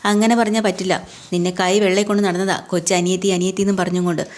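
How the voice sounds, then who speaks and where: A reproachful middle-aged uncle, voiced by a woman retelling a serial. His talk runs low and fast, one scolding after another. He sounds hurt more than angry. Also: level tone, darkish tone, close to an everyday voice. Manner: reproachful, lecturing.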